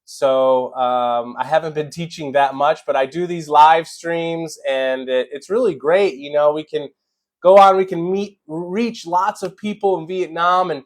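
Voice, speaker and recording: A man's voice: fairly high pitch, a little slow. An American man from Chicago, an English teacher, chatting casually on a live stream and greeting viewers by name with many fillers. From Chicago, USA.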